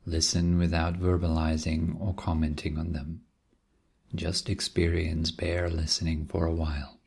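A man with a low, husky voice leads a guided meditation. He speaks gently and calmly, leaving long pauses between short instructions. His tone often crackles with vocal fry. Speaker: meditation teacher. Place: quiet room.

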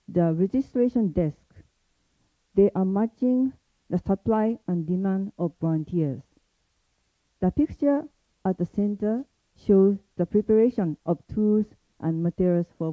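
A woman's voice: mid-range voice, animated, no room sound. Hesitant woman giving a prepared presentation. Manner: careful, hesitant delivery with many pauses and fillers. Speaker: university presenter. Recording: tinny phone-like sound, dry.

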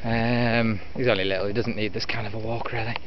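A man's voice: on the low side, little pitch movement, brisk. British guy in his 20s waffling casually into a camera on a walk, kinda muffled sound, noisy outside. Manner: self-deprecating, blithering. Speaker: vlogger, retro gaming YouTuber. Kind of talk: rambling casual walking vlog. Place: outdoors, walking along a field edge by trees. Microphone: camera on a stick at arm's length. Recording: dull muffled camera audio with outdoor wind noise.

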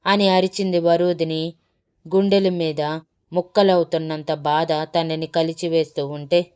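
A woman narrates an emotional romance serial with steady, dramatic storytelling. Her voice is smooth and resonant, sitting somewhat low for a woman. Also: measured pace. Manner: dramatic, even-paced storytelling.

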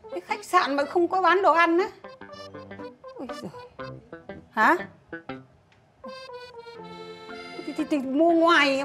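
A woman's voice: sits high, a bit bright. An actress playing a stubborn, bossy old grandmother, grumbling and scolding as she talks. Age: older. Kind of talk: TV drama acting.

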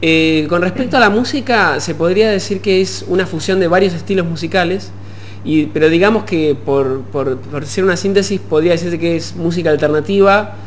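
Young argentine guy, kinda high voice, musician being interviewed, halting delivery, slight hum. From Puerto Madryn, Argentina. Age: young adult. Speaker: musician guest. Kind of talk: studio interview, explaining. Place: TV studio. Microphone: desk gooseneck microphone.

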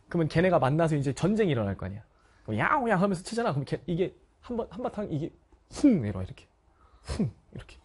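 A man's voice: on the high side, husky. A middle-aged man, a language lecturer, telling his students a story in a casual way and acting out the scenes with sound effects. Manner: animated, acts out scenes with sound effects and voices.

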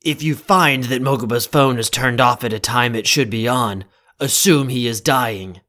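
A man playing a stern, protective young CEO in an audio drama, speaking formally and deliberately with a commanding manner. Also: mid-range voice, sharp tone, natural voice. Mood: grave, stern.

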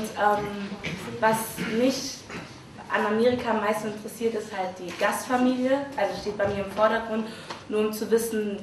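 A woman's voice: mid-range voice, noisy background. A young woman, a trainee, introducing herself in a chatty way with fillers. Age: young adult. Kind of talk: self-introduction. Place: large hall. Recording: very echoey hall from far off.

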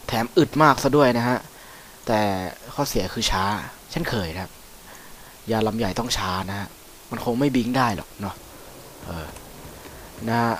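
A man giving casual, chatty commentary over a video game, swearing freely and breaking into excited whoops. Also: mid-range voice, moderate pace, pauses often, slight background noise. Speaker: gameplay commentator. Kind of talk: casual let's-play commentary.

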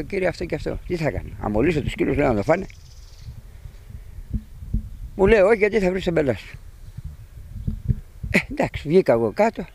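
Agitated, high-voiced middle-aged man. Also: slight background noise. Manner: agitated, animated retelling. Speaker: sheep pen owner telling of an intruder. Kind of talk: eyewitness account to a reporter. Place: outdoors at his sheep pen.

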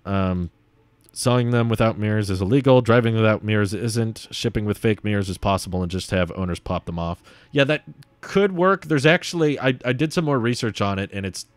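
Low-pitched young man in casual commentary. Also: brisk, clean tone, no echo. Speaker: video host reading and answering viewer comments. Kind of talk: casual livestream commentary, thinking aloud. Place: small home room set up as a streaming studio, indoors. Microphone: desk microphone on a boom arm, close.

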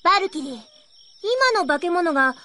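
Shrill, haughty young princess. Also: female voice, sing-song, unhurried, bright, forceful tone, heavily acted. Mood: indignant, curious. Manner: imperious, old-fashioned noble phrasing. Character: haughty, hot-tempered young princess, archaic regal speech. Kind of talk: Japanese radio drama acting.

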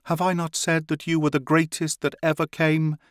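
A man reading an audiobook, voicing an entranced female seer who speaks in a high, sighing voice with solemn, prophetic chanting. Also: takes it slowly, no echo, studio quality, close to an everyday voice. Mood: exalted.

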